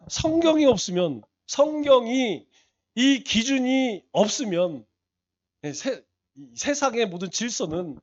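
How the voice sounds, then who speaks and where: A man's voice: sits high, highs cut off. A male pastor teaching a Bible study, asking the congregation rhetorical questions and repeating points for emphasis.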